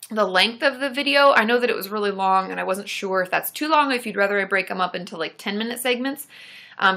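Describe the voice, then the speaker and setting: A woman's voice: fairly high pitch, pushed and bright. A young adult woman therapist hosting a casual live-stream Q&A, chatty and reassuring, with many fillers and restarts.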